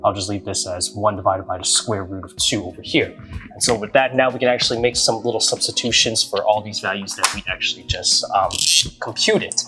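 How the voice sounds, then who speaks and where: A man's voice: fairly low pitch, a little fast, over music. A man explaining a math problem step by step in a casual, hesitant way, with many ums and restarts. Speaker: math tutor.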